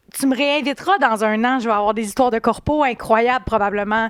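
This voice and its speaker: A woman with a fairly high pitch talks at a fairly quick pace in a dry, close sound with no echo. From Quebec, Terrebonne. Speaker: actress. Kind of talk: casual chat. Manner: fast.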